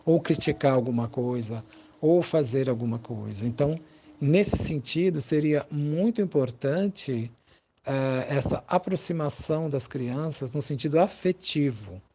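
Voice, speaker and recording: A Brazilian man, a psychologist being interviewed, gives conversational explanations in a thoughtful, halting way, searching for his words. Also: mid-range voice, mellow, a little hiss or hum.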